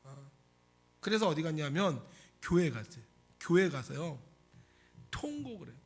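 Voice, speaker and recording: A male pastor preaching a sermon in a church in animated storytelling style, often asking the congregation questions, with a raspy voice. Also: a little high, a little slow. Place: church sanctuary.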